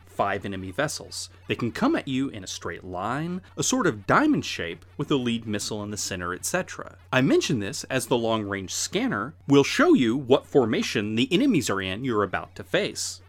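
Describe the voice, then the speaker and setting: Very animated man narrating a retro game explainer. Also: mid-range voice. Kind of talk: scripted informative narration.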